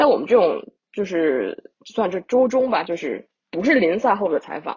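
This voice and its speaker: A woman's somewhat breathy voice carries an animated tone and very wide pitch swings. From Beijing, China. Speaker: football media interviewer. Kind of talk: casual chat.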